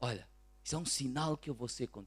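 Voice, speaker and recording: Someone with a European Portuguese accent is heard on a very clean recording with a silent background. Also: man. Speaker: pastor. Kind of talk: sermon.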